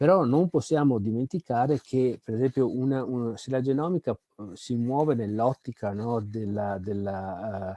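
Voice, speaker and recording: A man's medium-pitched voice with a Venetian accent, dark and mellow in tone, at a fairly slow pace, with ordinary pitch variation and a dry, close sound with no echo. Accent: Venetian Italian. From Veneto, Italy. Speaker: sociology professor and author. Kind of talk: panel discussion. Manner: halting, many fillers and repetitions.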